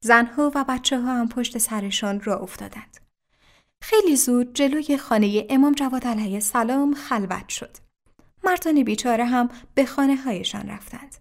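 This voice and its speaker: A woman narrating a religious story in an even, careful reading voice. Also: a little high.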